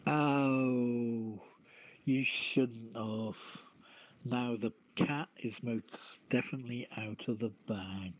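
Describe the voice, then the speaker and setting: A man hosting a news podcast with a halting, hesitant delivery, reading out items and announcements. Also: mid-range voice, steady tone. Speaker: podcast host. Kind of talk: reading news and show sign-off. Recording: phone-like lo-fi streamed voice channel.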